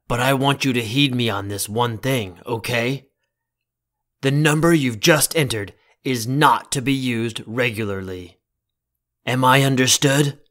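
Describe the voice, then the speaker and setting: A man playing a stern, protective young CEO in an audio drama, speaking formally and deliberately with a commanding manner. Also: medium pitch, fairly bright tone, close to an everyday voice.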